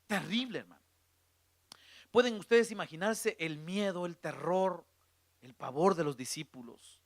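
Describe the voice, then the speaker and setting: A middle-aged man preaching a sermon, telling the story dramatically, dropping to a hush and then swelling again. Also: high voice, a little slow, no echo.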